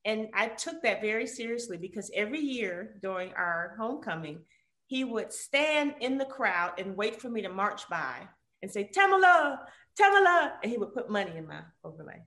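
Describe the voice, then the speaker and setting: Animated woman from Detroit, echoey room. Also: mid-range voice, normal speed. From Detroit, USA. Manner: animated storyteller, lively quoted voices. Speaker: guest. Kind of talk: casual conversational interview. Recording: roomy echo.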